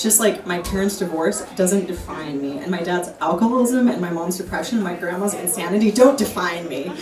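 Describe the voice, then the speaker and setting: Against noticeable background noise, a woman talks with an American accent and ordinary pitch variation. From California. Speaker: performance artist. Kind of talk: spoken word performance. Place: stage.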